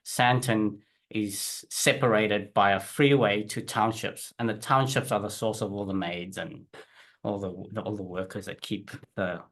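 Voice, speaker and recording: South african guy, lowish voice, laid back chatty interview talk, lots of ums and restarts. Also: unhurried. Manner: relaxed storytelling with frequent restarts and fillers. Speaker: interview guest, web design business owner. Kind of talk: casual interview chat.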